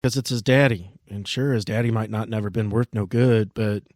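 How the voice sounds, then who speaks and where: A wary young witch with a hushed, rough-edged backwoods way of talking, as a game master puts her on. Her voice sits low and quiet, quicker than the narration around it, in a dry room. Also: fairly even intonation, no echo, close to an everyday voice. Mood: bitter.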